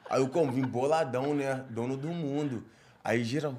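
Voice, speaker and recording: A man's voice: medium pitch, normal speed, a loud crowd. A man with a Brazilian Portuguese accent telling a comic story in slangy casual chat, acting out voices and sound effects.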